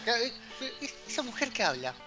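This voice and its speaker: A man with an Argentine Rioplatense accent co-hosting a podcast in relaxed, chatty talk full of asides. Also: extremely high pitch, a little fast, over music. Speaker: podcast co-host. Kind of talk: casual chat.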